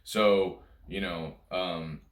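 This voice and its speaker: A music teacher with a low-sitting voice and a steady tone talks very slowly, giving a casual lesson to camera. His delivery is informal and rambling, with frequent repetition, recorded in an echoey room.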